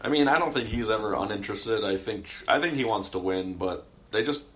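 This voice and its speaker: A man's voice: lowish voice, fairly quick, a bit bright. A young man co-hosting a sports podcast, talking casually and rambling with many fillers and restarts. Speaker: podcast co-host.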